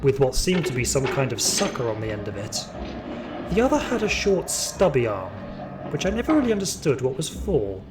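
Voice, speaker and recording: A man playing a sadistic, power-hungry security guard, narrating his story in an audio drama with deliberate menace. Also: mid-range voice, background noise, lightly acted. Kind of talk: scripted first-person audio drama monologue. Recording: music behind the voice.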